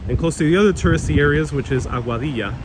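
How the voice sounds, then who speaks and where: Man with a Queens Hispanic accent, Spanish first language, slightly higher voice; relaxed live tour host on a phone mic, noisy outdoor street. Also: fast talker. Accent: Queens Hispanic New York. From Puerto Rico, raised in New York. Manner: relaxed, chatty, reads out viewer comments. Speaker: walking tour livestream host. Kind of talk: casual live walking tour, chatting with viewers. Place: outdoors on a town street with passing traffic. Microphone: phone-mounted mic while walking.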